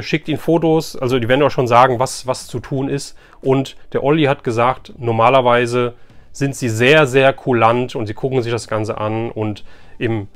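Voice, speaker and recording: A man presenting a collector's unboxing video in casual, enthusiastic, colloquial chat, often repeating phrases for emphasis. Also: mid-range voice.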